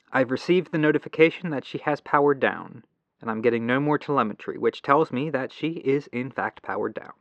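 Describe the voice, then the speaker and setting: A man's voice: on the high side, dry recording. A man playing a patient, polite tech support agent in an ASMR roleplay phone call, reassuring and methodical, through a lo-fi telephone filter. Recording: dull lo-fi telephone sound.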